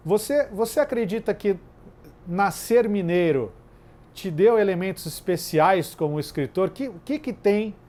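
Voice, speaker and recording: A man's voice: on the high side, darkish tone. A man hosting a festival conversation, speaking earnestly and with opinions before he asks the guest questions. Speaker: bookseller and host.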